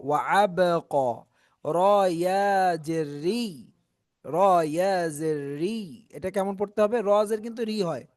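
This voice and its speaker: A man teaching Quran reading. He spells out letters and vowel marks slowly, then stretches the words into drawn-out chanting for his class to repeat. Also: high-pitched, a little mellow, dry recording, studio quality. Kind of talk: spelling out and drilling recitation.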